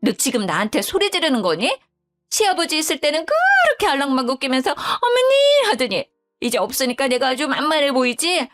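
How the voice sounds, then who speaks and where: A woman's voice: high voice, very animated, fairly quick, a bit bright, soft background music, pitched above the performer's own voice. A woman voicing a curt, self-pitying widowed older mother-in-law who grumbles bluntly. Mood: resentful.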